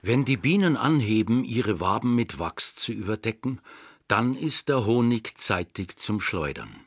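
Lowish dry-sounding male narrator. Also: very animated, a little slow, breathy edge, no echo. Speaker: audiobook narrator. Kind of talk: scripted literary narration. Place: dry studio.

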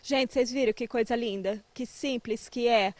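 A woman's voice: a little high, normal speed, no room sound. A woman in her thirties from Brazil, a field reporter cheerfully hosting a gardening segment outdoors, holding a handheld mic. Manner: cheerful, addresses viewers directly.

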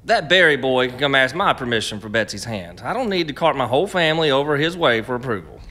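An actor playing a stubborn, gruff frontier father in a radio drama, terse and stern. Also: medium pitch, big pitch swings, fast, bright, forceful tone. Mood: stubborn, irritated.

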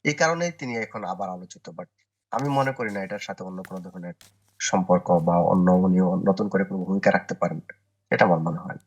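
A man, a newspaper correspondent, giving opinion commentary in a TV interview, speaking deliberately and often pausing with "uh" and restarting. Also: low-pitched, breathy edge, dull audio. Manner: deliberate, with frequent "uh" pauses and restarts.

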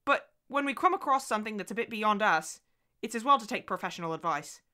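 A woman's voice: medium pitch, lively intonation, quick pace, bright, forceful tone, voice pushed up. Woman reading as a breezy, teasing husband. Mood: light, reassuring. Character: scoffing, good-humoured young husband, breezy and reassuring. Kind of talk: audiobook character voice.

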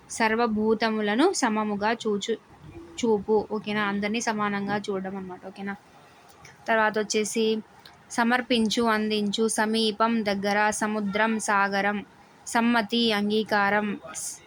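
A woman's voice: mid-range voice, a bit bright, slight background noise. A woman teacher reads out word meanings for exam study, repeating each one and often checking in with the class.

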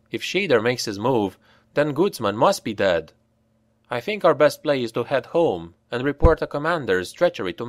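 A man's voice: medium pitch, no room sound. A man voicing a weary male mercenary leader with a dry, sardonic manner.

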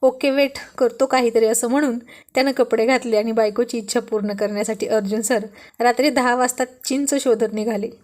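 A woman narrating a romance serial with steady, expressive reading. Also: on the high side, fairly quick. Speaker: storyteller.

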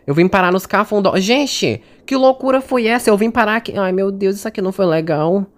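A woman's voice: medium pitch, expressive, fairly quick. A woman with a Brazilian Portuguese accent giving casual gameplay commentary, chatty and jumpy, talking to her audience and to the game characters. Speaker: gaming streamer.

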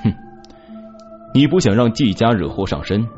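An actor playing a domineering, cold-tempered young lord in an audio novel, with a cold, menacing delivery. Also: male voice, lowish voice, expressive, normal speed, close to an everyday voice. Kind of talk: audiobook drama acting. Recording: slightly dull audio with soft music.

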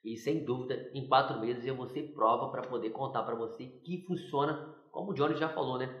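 A man's voice: medium pitch, normal speed, echoey room, highs cut off. A male TV interviewer who chats easily and sums up his guest's points. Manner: chatty, summarizes the guest's points. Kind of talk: interview talk.

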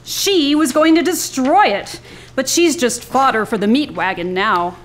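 A woman actor plays a mysterious young woman in a live noir radio play. Her voice is on the high side. She speaks in cool, cryptic, teasing lines that carry a threat. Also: a little slow. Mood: coolly menacing. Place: live on stage in a club.

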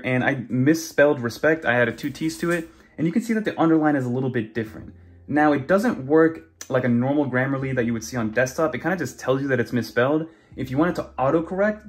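A young man casually walking through tablet browser features in a chatty, conversational way. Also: medium pitch. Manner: chatty, conversational, many fillers. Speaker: tech YouTuber. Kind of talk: casual screen walkthrough.

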